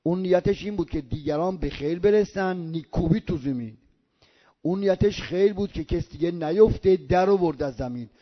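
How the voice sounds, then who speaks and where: An older man from Iran giving a religious lesson on prayer, slowly drawing out Arabic sounds as he demonstrates them. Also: sits high, lo-fi sound. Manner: slow drawn-out recitation of Arabic sounds. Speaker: cleric teaching prayer.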